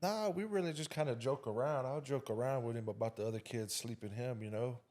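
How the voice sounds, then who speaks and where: A man's voice: mid-range voice, fairly quick, a little mellow. A man speaking as a guest in a casual podcast interview, easygoing and talking in loose runs. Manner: laid-back, talks in loose runs with "you know" and "man". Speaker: father of a young boxer, guest.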